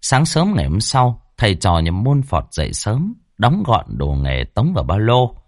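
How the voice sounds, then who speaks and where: A man with a low voice narrates a ghost story, his pitch rising and falling dramatically. The recording is dry and close, with no room sound. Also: huge pitch swings, moderate pace, no room sound.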